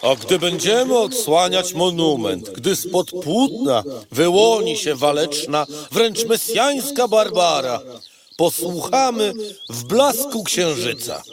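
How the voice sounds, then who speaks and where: An actor voicing a pompous, speechifying retired cavalry captain beetle who is running for mayor in a cartoon. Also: male voice, high voice, big pitch swings, slow, a crowd in the background, heavily acted. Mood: solemn. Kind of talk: cartoon voice acting.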